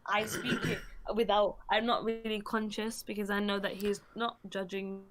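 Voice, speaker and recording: A woman chatting casually on a podcast, talkative and quick to laugh. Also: mid-range voice, little pitch movement, background noise. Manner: chatty, laughs easily, self-conscious. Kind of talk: casual chat.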